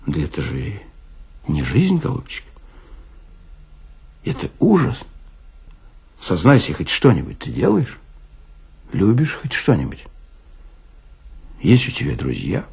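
A man's voice: fairly low pitch, wildly swooping pitch, slow, creaky, long pauses, a little mellow, breathy edge, full character voice. A man voicing an awkward, bewildered merchant, hesitant and earnest, in a dramatic reading of a story. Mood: dismayed. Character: awkward, bewildered merchant, the count's old college friend.

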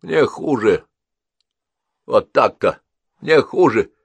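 A man voicing a shrewd, bedridden old woman in an audiobook, speaking in a folksy, wry, drawn-out way. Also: mid-range voice, lively intonation, creaky, husky, no echo, voice pushed up, full character voice. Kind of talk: audiobook character voice.

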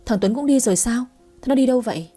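A woman's voice: fairly high pitch, fast, warm tone, soft background music, voice pushed up, lightly acted. A woman voicing an outspoken, easygoing elderly neighbor who chides bluntly. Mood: concerned. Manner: blunt, chiding.

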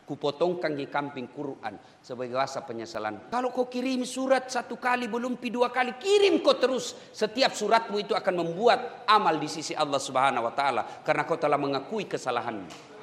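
A man's voice: high voice, brisk, a bit bright, long reverb tail. A man preaching a sermon with a Makassarese Indonesian accent, acting out dialogue and shifting his voice sharply. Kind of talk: sermon to prison inmates.

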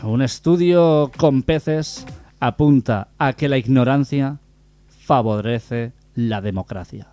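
A man's voice: mid-range voice, slow. A man co-hosting a community radio humor show, delivering jokes and dry one-word reactions. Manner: dry, deadpan punchlines and short comments. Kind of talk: joke telling on community radio. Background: clear music bed.

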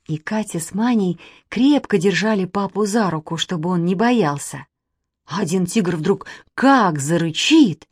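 A woman reads a children's story aloud with lively, expressive storytelling. Her voice sits a little low but moves freely up and down. The recording is dry and close. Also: no room sound. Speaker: narrator. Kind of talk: audiobook reading of a children's story.

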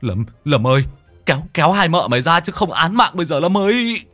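A man voicing a panicky young gentleman calling for help to stop a fight. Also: a little high, very animated, brisk, dry recording, faint music behind, pitched above the performer's own voice. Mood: panicked. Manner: frantic calling out.

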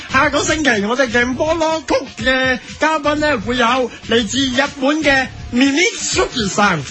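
A man playing a breezy radio show host who rushes through his questions, in a comedy radio drama. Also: extremely high pitch. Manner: brisk, cuts his own questions short.

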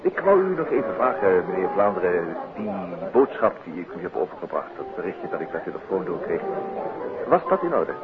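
A man's voice: low-pitched, sing-song, fairly quick, loud music behind the voice. An actor playing a jovial, courteous male host with an affable, formal manner in a 1950s Dutch radio play. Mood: courteous, probing. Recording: tinny, noisy 1950s radio recording.

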